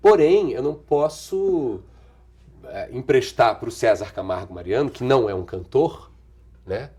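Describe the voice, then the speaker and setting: A middle-aged man with a Brazilian accent, an actor and singer answering interview questions thoughtfully, with restarts, trailing pauses and frequent chuckles. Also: mid-range voice, lively intonation, mellow, slightly rough. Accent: Brazilian Portuguese. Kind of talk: relaxed conversational interview answers.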